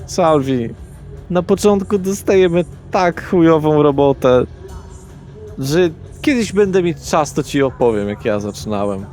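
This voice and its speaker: Vampire lawyer for a role-play , male player: brash, chummy, colloquial, very lively intonation. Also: a little high, unhurried, soft background music. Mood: jovial, chummy. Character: brash, self-important vampire lawyer in a suit. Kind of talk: improvised tabletop role-play.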